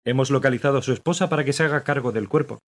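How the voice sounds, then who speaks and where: Man voicing a dry matter-of-fact pathologist, husky tone. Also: medium pitch, rapid-fire, lightly acted. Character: dry-humored middle-aged male forensic doctor. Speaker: forensic pathologist. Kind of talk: radio drama acting.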